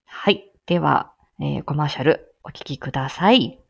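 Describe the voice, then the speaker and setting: A woman's voice: low-pitched, moderate pace, gravelly, slightly rough, highs cut off. A woman hosting a live stream, chatting casually with frequent laughter and many fillers. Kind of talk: casual chat.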